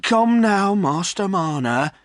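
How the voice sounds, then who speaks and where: Man putting on a village innkeeper, firm, soothing, lively lilt. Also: on the high side, takes it slowly, dry recording, studio quality, pitched above the performer's own voice, full character voice. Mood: calming.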